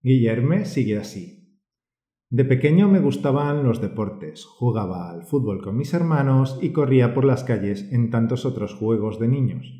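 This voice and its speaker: A man co-hosting a language-learning podcast, speaking and reading aloud in a measured, encouraging teacher's way. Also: medium pitch, expressive, dark tone, echoey room. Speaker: podcast co-host.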